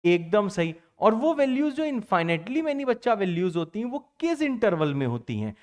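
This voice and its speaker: Animated male math teacher, playful. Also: high-pitched, moderate pace. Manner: plays both teacher and student in his own voice; chatty, fond of catchphrases like "bachcha party". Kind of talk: exam-prep math lecture.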